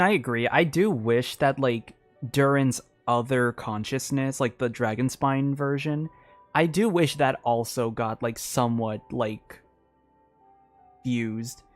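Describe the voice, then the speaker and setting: Casual male streamer, loose rambling commentary, filler-heavy. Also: mid-range voice. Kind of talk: live gameplay commentary.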